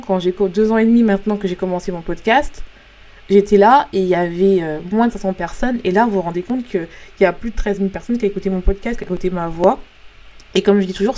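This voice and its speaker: A woman's voice: medium pitch, mellow. A French woman, a coach and podcast host, talking frankly in a casual motivational monologue with many fillers and restarts.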